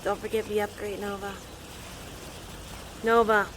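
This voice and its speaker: A woman's voice: medium pitch, flat delivery, unhurried, background noise, lightly acted. Hard-bitten captain played by a woman, mid-range, commanding and sardonic, sci-fi radio play. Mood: impatient, demanding. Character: blunt, foul-mouthed, hard-bitten spaceship captain. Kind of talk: scripted audio drama acting.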